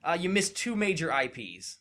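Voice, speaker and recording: A man's voice: fairly high pitch, moderate pace, vocal fry. A man co-hosting a podcast in casual banter, running a trivia game with informal, sweary delivery. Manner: profane, animated, informal. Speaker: podcast co-host.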